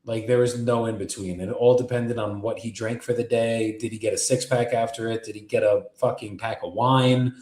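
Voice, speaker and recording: A man's voice: mid-range voice, fairly even intonation, normal speed, hardly any pauses, a little mellow. A young man telling his own life story in a casual, rambling way, swearing often and filling his talk with "like". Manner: rambling, heavy swearing, many "like" fillers. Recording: echoey room.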